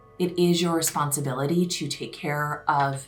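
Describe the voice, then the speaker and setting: A woman with an American accent speaks at a very deep, low pitch with ordinary pitch variation, amid audible room echo and noticeable background noise. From US Midwest, Minnesota. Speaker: podcast host and grief author. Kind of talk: direct-to-camera talk. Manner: earnest, emphatic.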